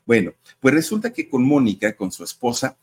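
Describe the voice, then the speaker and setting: A Mexican-accented host tells celebrity stories and keeps turning to the viewers. His voice is husky and breathy, and his pitch moves in lively swoops. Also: brisk. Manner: conversational, addresses viewers directly, uses fillers. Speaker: entertainment gossip host. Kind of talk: chatty celebrity storytelling.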